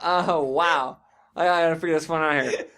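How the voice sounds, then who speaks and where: A man hosting a podcast, casually playing a word-guessing game with animated, swearing banter. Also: on the high side, normal speed. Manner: foul-mouthed, animated banter. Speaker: podcast host.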